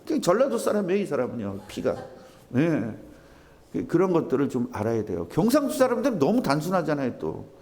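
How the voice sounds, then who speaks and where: A man preaching a sermon as pastor in a church, talking to the congregation in a conversational, animated way. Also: fairly high pitch, brisk. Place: church sanctuary. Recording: reverberant church hall.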